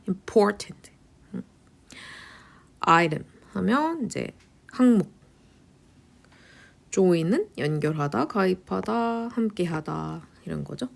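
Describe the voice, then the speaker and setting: A woman whose voice is lowish, creaky, and darkish lectures on English vocabulary. Rapid rhetorical questions get her own answers, and she often drops to a whisper.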